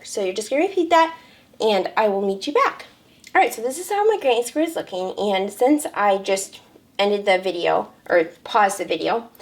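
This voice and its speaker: A young woman with a hoarse, raspy voice, talking through a crochet pattern step by step, counting stitches aloud and correcting herself as she goes. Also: mid-range voice. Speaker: crochet pattern designer teaching a tutorial. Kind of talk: step-by-step crafting tutorial.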